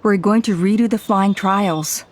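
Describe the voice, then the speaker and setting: A woman's voice: mid-range voice, a little hiss or hum, lightly acted. A woman voicing a dignified tribal elder in a game, speaking formally and courteously. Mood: earnest. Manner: formal, measured, apologetic.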